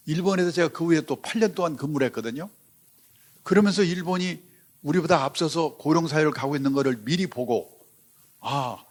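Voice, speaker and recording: Man in his seventies lecturing anecdotally. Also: fairly high pitch. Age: 70s. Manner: anecdotal, conversational storytelling with asides. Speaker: finance lecturer. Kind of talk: public lecture. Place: lecture hall before a live audience.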